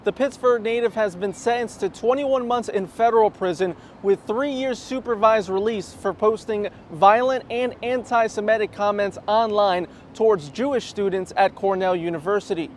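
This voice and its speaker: A man's voice: high voice, normal speed, few pauses, slight background noise. A man reporting the news as a television reporter, reading a scripted report.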